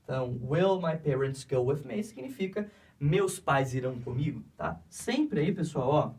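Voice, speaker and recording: Slow, patient Brazilian male teacher. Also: fairly high pitch, expressive, darkish tone, far from the mic. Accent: Brazilian Portuguese. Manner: patient, repeats steps, checks in with "tá?" and "ok?". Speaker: English teacher. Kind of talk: grammar lesson explanation.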